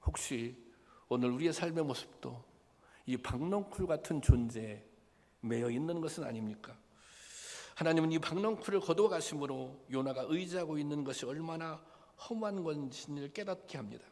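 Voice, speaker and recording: A man's voice: a little high, fairly quick, darkish tone. A male pastor preaching a sermon, asking the congregation rhetorical questions and sometimes voicing the figures in a plain conversational tone. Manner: acts out quoted lines in a plain conversational voice. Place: church sanctuary. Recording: long hall reverb.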